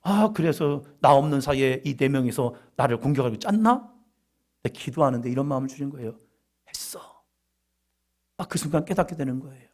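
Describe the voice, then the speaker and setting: Korean pastor preaching with loud bursts. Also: male voice, mid-range voice, fast. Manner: animated preaching, bursts of loud emphasis on key words; storytelling with humorous asides. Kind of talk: sermon.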